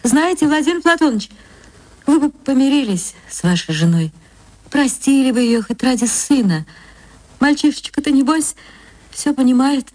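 A woman voicing a gentle, sentimental young widow with a tearful, wailing lament, in an archival radio recording. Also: high-pitched, expressive, moderate pace, pitched above the performer's own voice. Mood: coaxing.

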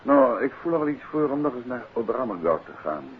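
An actor playing a calm, courteous, secretive married detective in a 1950s Dutch radio play, with a Netherlands accent. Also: male voice, medium pitch, fast, close to an everyday voice. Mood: businesslike. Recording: tinny, noisy 1950s radio recording.

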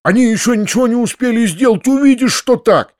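Man doing a fretful, high-strung old-fashioned uncle. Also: fairly quick, dry recording, clean studio sound. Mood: soothing. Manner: excited, pleading, high-strung. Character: anxious, kindly middle-aged male landowner uncle. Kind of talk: audiobook character reading.

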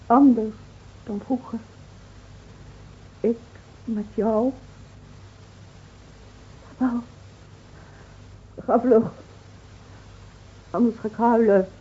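An actress playing a grieving, devoted middle-aged village wife in a Dutch radio drama, speaking in a solemn, measured, pleading way. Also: female voice, a little high, husky, full character voice. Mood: sorrowful, brave. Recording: tinny, narrow-band old radio recording.

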